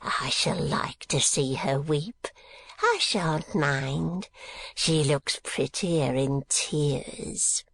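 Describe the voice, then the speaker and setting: A man's voice: extremely slow, gravelly, a bit bright, husky, full character voice. A man voicing a spiteful, lecherous old miser in an audiobook, with a cracked, sneering voice. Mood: gloating mockery. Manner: sneering, wheedling, shrill outbursts. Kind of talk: dramatised audiobook reading.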